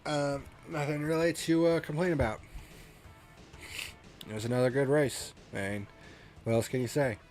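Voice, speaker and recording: A man's voice: medium pitch, fairly even intonation, normal speed, pauses often, a little mellow, soft background music. A man hosting a racing review show, talking casually with a blunt, profane, ranting manner, and sounding congested from a cold.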